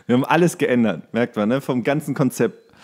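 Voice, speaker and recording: A man's voice: medium pitch, brisk, darkish tone. A man who co-hosts a podcast, bantering casually in a teasing, joking way. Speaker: podcast co-host.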